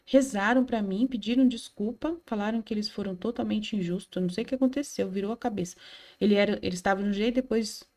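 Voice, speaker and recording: Earnest Brazilian woman with a mellow voice. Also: medium pitch, fast talker. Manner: emotional, repetitive, earnest. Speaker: Catholic study host. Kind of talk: personal testimony.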